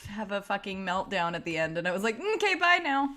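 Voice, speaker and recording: Woman on a video call, chatty n animated, swears a lot, middle pitch. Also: fast talker. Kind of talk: casual chat before an online table read.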